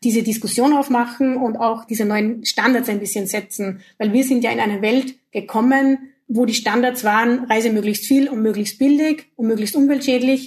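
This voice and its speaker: This woman has an unremarkable speaking voice, fairly high in pitch, against a quiet background. She talks at a moderate pace with fairly even intonation. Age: 30s. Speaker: freelance journalist and copywriter. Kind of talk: interview.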